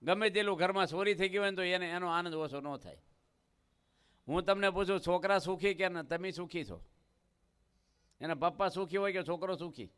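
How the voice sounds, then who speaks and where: A man's voice: high-pitched, normal speed, pauses often, a bit bright, clean tone. A man with a Gujarati accent giving a devotional discourse as a swami, telling scripture stories in a folksy way, acting out their dialogue and asking the audience questions.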